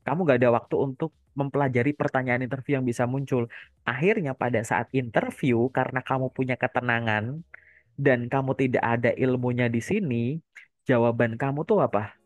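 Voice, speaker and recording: A man speaking as a career coach in a relaxed, casual chat, trailing off his sentences with soft fillers. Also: mid-range voice, moderate pace, no echo.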